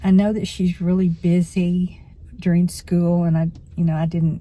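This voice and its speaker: Somewhat breathy and dark, mellow in tone, a woman speaks at a fairly low pitch with monotone, flat intonation. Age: 60s. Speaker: retired teacher. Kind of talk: casual vlog talk to camera.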